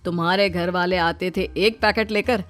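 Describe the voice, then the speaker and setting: A woman's voice: fairly low pitch, steady tone, normal speed, fairly bright tone, close to an everyday voice. A woman voicing a young husband in a cartoon who teases his wife in a mocking, amused tone. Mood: teasing.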